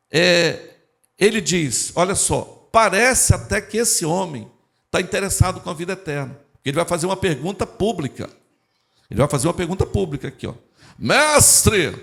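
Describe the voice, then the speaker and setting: A man's voice: on the high side, gravelly. A man preaching a sermon in church, talking directly to the congregation. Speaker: pastor.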